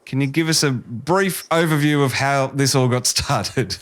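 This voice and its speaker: A man's voice: mid-range voice, unhurried, fairly bright tone, a little hiss or hum. A man hosting a podcast, putting prepared questions to a guest in an interview.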